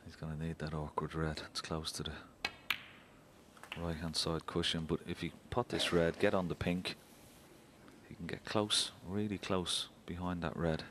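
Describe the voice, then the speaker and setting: A man commentates on live snooker in a hushed, measured way. His voice is very deep yet clear-edged and bright, with little rise and fall. Faint noise from the venue sits behind him. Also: flat delivery.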